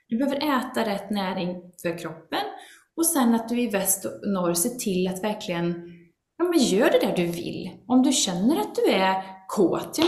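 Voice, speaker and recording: In a roomy-sounding recording, a woman with a mid-range voice chats as a guest, earnest and lively. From time to time she breaks into acted asides, giving voice to her inner critic.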